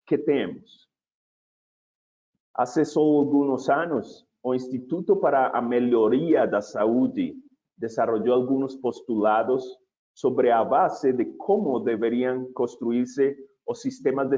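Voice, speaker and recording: A man opening and presenting a webinar in a measured, deliberate way, with occasional restarts. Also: medium pitch, mellow, muffled recording.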